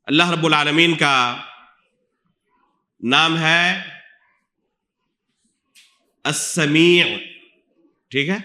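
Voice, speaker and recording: A man's voice: a little high, sharp tone. A man with an Indian Urdu accent giving a religious lecture in a mosque, teaching patiently and putting questions to his listeners before answering them himself. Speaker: Islamic scholar. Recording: echoey mosque hall.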